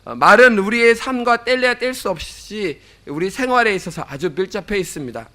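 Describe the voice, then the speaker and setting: A man's voice: high-pitched, lively intonation, brisk, pushed and bright. A man preaching a sermon, telling a story to his congregation with frequent "uh" fillers. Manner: storytelling, addresses the congregation directly; fillers and self-corrections.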